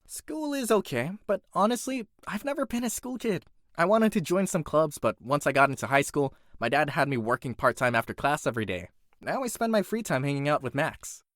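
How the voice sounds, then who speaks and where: An earnest young workaholic blacksmith from an animated series , as a performer acts the part, with a very lively, swooping delivery. The voice is conversational and dutiful with an adventurous streak, recorded dry and close. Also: medium pitch, no echo, natural voice. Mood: resigned, earnest. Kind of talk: animated character voice reel monologue.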